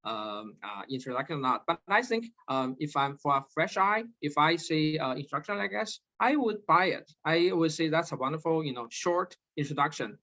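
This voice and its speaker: A man hosting an online talk, moderating with many halting fillers and restarts over a video call. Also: on the high side, animated, pushed and bright. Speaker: webinar host and moderator. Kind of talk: hesitant online panel moderation. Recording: slightly dull lo-fi video call audio.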